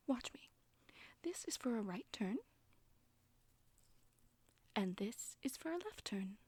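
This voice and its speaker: A woman's voice: a little high, no room sound. Woman playing a whispering, teasing witch instructor. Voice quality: soft breathy whisper. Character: flirty, sassy witch broom-riding instructor, condescending but coaxing. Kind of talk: whispered ASMR roleplay.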